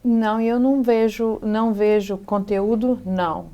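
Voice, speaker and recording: A middle-aged woman from Brazil, an educational psychologist answering TV interview questions thoughtfully and pausing to find her words. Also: medium pitch, fairly even intonation, mellow, lo-fi sound. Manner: thoughtful, pauses to search for words.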